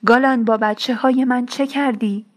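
A woman's voice: mid-range voice, little pitch movement, vocal fry, darkish tone. A woman reading the lines of a proud old tribal father in his grief, pleading and anguished.

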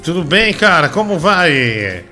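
A man's voice: fairly high pitch, sing-song, takes it slowly, bright, forceful tone, soft background music. A man hosting a call-in comedy show, teasing and laughing as he cuts callers off. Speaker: radio comedy host.

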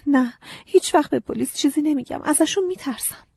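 A woman playing a high-strung young farm girl. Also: gravelly, dark tone, no echo, clean studio sound. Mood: earnest.

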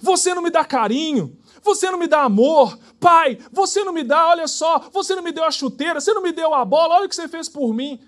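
A man's voice: very high-pitched, quick pace, voice pushed up. A man playing a whiny complaining son. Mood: indignant.

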